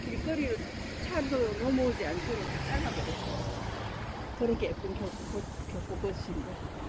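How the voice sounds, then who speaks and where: A woman's voice: on the high side, lively intonation, moderate pace, very noisy. A woman walking outdoors, chatting casually and explaining the plants she passes. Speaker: vlogger on a walk. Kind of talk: casual walking vlog chat. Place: outdoors on a street. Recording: loud background music over the voice.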